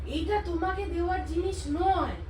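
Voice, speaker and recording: A woman's voice: extremely high pitch, moderate pace, a little mellow, a little hiss or hum. A young woman, a mother, chatting in a family vlog and talking in affectionate baby talk to her small daughter. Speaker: vlogger mother. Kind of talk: casual family vlog chat.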